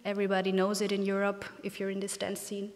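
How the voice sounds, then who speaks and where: A woman's voice: medium pitch, monotone, fast talker. A woman from Austria, hosting a casual interview in an upbeat, chatty way. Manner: chatty, upbeat, laughs between remarks. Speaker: host, dance festival organizer. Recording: reverberant hall sound.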